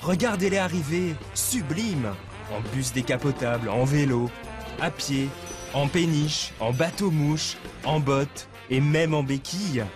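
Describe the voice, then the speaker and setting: A man's voice: on the high side, unhurried. Wry male documentary narrator over music. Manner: wry, playful delivery. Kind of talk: scripted narration. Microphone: studio voice-over.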